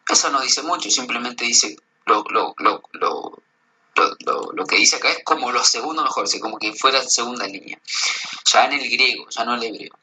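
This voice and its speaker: Bright-voiced man reading word lists. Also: mid-range voice, expressive, low-quality recording. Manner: reads slowly, spells out terms, hesitant. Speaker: researcher sending voice messages.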